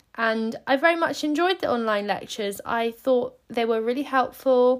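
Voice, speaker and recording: This woman speaks in a London accent with ordinary pitch variation. The recording is very clean, with a silent background. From London, England. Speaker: podcast host, fashion student. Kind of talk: solo podcast monologue.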